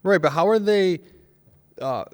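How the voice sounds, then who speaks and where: A man co-hosting a casual talk show, explaining things in a halting way and repeating himself. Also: high-pitched, lively intonation. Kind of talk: casual chat.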